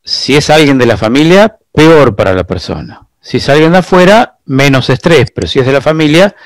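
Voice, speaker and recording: A man, a guest expert giving long, measured explanations in an interview, full of rhetorical asides. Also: medium pitch, lively intonation, no room sound. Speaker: guest expert on biological decoding.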